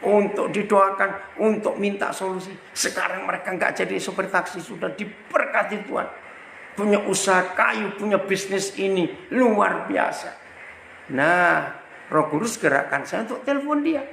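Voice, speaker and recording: A man from Indonesia, a pastor preaching a storytelling sermon, animated and exclamatory as he speaks straight to the congregation. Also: sits high, moderate pace, creaky. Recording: echoey hall with faint background noise.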